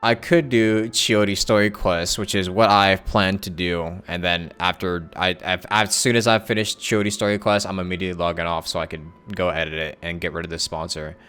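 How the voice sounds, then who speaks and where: Low voiced guy streaming, clean smooth sound, just rambling to chat and thinking out loud. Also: steady tone, a little fast, hardly any pauses. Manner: rambling, thinking aloud, self-correcting. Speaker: live streamer and content creator. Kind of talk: casual livestream chat with viewers. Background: background music.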